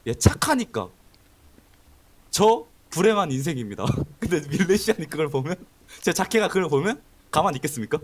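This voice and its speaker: Give me a man guest on a voice chat, high and wildly animated, playing it mock-serious. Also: a little fast. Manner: joking, mock-serious, laughs. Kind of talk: casual call-in chat.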